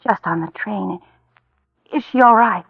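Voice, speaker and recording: A woman's voice: medium pitch, a little slow, vocal fry, slightly rough, dry recording. An actress playing a shaken young woman, a train-crash survivor who talks hesitantly and falters, in a 1940s radio drama. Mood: timid. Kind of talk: 1940s radio acting and narration. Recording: muffled 1940s radio recording with music.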